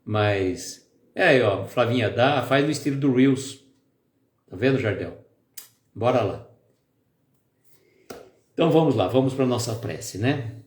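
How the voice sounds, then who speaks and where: A man hosting a spiritist live stream, chatting casually with viewers by name and then slowly leading a calm guided prayer. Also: mid-range voice. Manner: slow, soft and calm when leading the prayer. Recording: echoey room with faint music.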